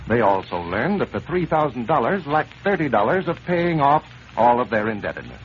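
A man announcing on a 1930s radio show, with a smooth, emphatic sales delivery and a recap of the story. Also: medium pitch, sing-song, brisk. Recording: old lo-fi radio transcription with hiss.

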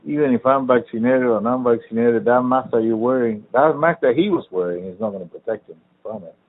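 A man in casual chat, talking in a profane, animated rant that trails off and picks back up. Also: mid-range voice, a little fast. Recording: tinny phone-like sound.

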